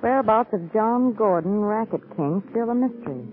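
A woman's voice: mid-range voice, lively intonation, moderate pace, faint music behind, close to an everyday voice. An actress playing a pert, witty young woman, a sleuth's sidekick in an old-time radio drama, arch and inquisitive on a tinny old recording. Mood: curious, doubtful.

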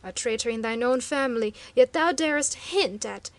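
A woman voicing a furious, arrogant male chieftain who shouts savage threats in archaic speech. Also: a little high, lively intonation, moderate pace. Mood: raging.

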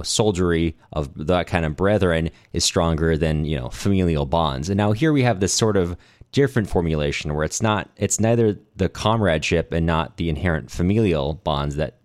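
Male book podcast co-host, very low voice, articulate and reflective, close dry recording. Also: a little mellow, no echo. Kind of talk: conversational literary discussion.

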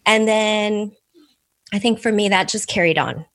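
Korean american woman author, talks slow and reflective, dry studio sound. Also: mid-range voice, no echo. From Korean American, immigrated as an infant. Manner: thoughtful, measured, with soft laughs and restarts. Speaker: author and podcast guest. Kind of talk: reflective interview answers.

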